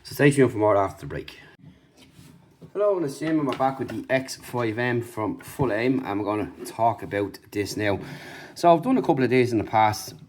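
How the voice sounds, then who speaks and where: Low-voiced man doing a casual product review. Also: a little mellow, a little hiss or hum. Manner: informal, off-the-cuff demonstrating. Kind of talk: casual unboxing and review commentary.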